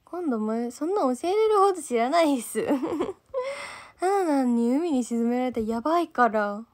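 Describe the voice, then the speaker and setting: During a casual livestream, an idol trainee from Gifu, Japan, reads comments and talks with fans in mostly standard Japanese with a light Gifu lilt. Her voice sits high and sounds animated and a little mellow, at a moderate pace. Chatty and rambling, she loses her thread and keeps saying "nanka."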